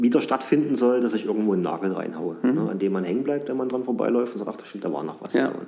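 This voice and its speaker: A man at medium pitch in a Saxon accent, very fast with hardly any pauses and lively intonation, amid noticeable background noise and audible room echo. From Saxony, Meißen. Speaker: IT company executive. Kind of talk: interview.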